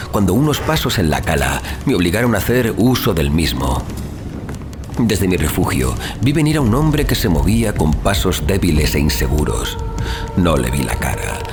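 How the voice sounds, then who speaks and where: A deep male voice narrates a gothic horror story over clearly audible music. His delivery is solemn and theatrical, with widely swinging intonation that suits old literary prose. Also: very animated, moderate pace. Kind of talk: dramatic scripted audiobook narration of a horror tale. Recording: music under the voice.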